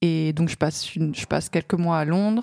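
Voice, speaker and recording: A woman's fairly low, dark and mellow voice, fairly even in intonation, at a moderate pace, with a dry, close sound and no echo. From France, Paris. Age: 20s. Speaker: fashion model. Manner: halting, many fillers.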